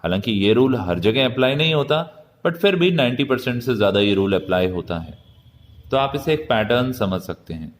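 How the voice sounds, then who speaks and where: A man teaching an English lesson from India, speaking slowly and deliberately and spelling words out letter by letter. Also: medium pitch, expressive, big-room sound. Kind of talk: classroom lesson.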